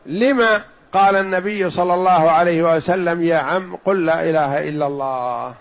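A man giving a religious lesson, explaining a text in a measured way and slowing down to stress his points, in a dull lo-fi recording. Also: a little high. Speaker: Islamic scholar teaching hadith commentary.

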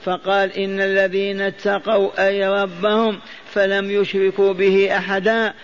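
A man's voice: high-pitched, completely flat delivery, moderate pace, a little hiss or hum. A man teaching and explaining Quran verses, often repeating phrases and quizzing his listeners, and chanting the verses he quotes. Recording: dull lo-fi recording.

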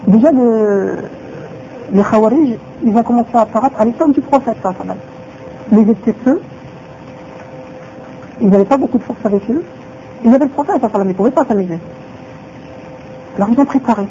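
A woman's voice: fairly high pitch, fast talker, long pauses, warm tone, slight background noise. A woman teaching a religious lesson who repeats her phrases and asks rhetorical questions, on a dull lo-fi recording.

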